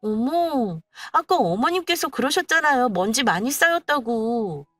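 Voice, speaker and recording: A woman's voice: fairly high pitch, sing-song, measured pace, a bit bright, no echo, soft background music, voice pushed up, heavily acted. Woman playing a sugary, sarcastic daughter-in-law. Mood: teasing. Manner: overly sweet, teasing, mock-polite. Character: young wife, sweetly sarcastic daughter-in-law.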